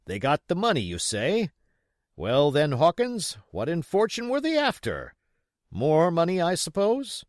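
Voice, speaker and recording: A man's voice: a little high, huge pitch swings, unhurried, no room sound, studio quality, voice pushed up. A man voicing a blunt, hearty revenue officer who speaks decisively, as a character in an audiobook. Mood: puzzled, insistent. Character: brisk, blunt male revenue officer in authority.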